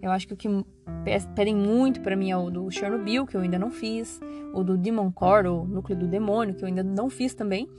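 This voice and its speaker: A Brazilian woman chats on her own podcast in a loose, rambling way, full of fillers and restarts. Her pitch sits in an ordinary middle range. Guitar music plays clearly underneath her voice. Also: steady tone, brisk. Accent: Brazilian Portuguese. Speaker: podcast host and radiology teacher. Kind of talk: casual solo podcast chat.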